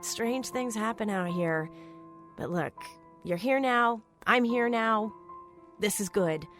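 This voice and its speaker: A woman's voice: on the high side, slow pace, a bit bright, soft background music. An actress playing a plucky, frank female survivor of a spacecraft crash in an audio drama. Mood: concerned, steady.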